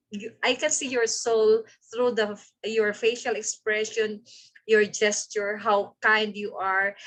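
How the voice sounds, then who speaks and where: Slow-speaking earnest woman interviewer. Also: on the high side, fairly bright tone, low-quality recording. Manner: earnest, admiring questions with fillers.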